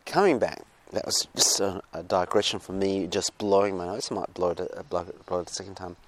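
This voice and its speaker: Australian man, very low voice, casual reflective monologue, halting, digressive, outdoors. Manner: halting and digressive, restarting phrases. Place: outdoors with birds nearby.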